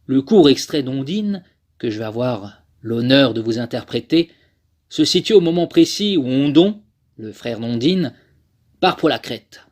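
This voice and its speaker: A man, a voice actor, delivering scripted narration in a theatrical, measured manner. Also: medium pitch, expressive, darkish tone. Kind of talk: scripted dramatic narration for a demo reel.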